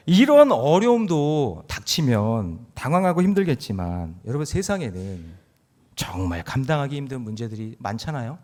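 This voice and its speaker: A middle-aged man preaching a Sunday sermon as pastor, chatty and joking, rising into forceful emphasis. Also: a little high. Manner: lively and conversational, with jokes and rising emphasis. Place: church sanctuary.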